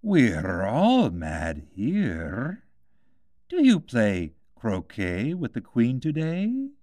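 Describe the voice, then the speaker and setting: A man voicing a mad, grinning cat in a storybook, with slow, drawn-out, teasing words. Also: mid-range voice, wildly swooping pitch, mellow, no echo, heavily acted. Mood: sly, languid. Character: languid, mad, grinning male Cheshire Cat.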